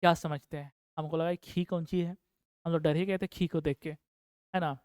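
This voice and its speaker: A man teaching an exam-prep physics lesson. He asks the class questions, answers them himself, and repeats key terms slowly for dictation. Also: fairly high pitch, fairly even intonation, a little mellow, clean tone, no echo, clean studio sound.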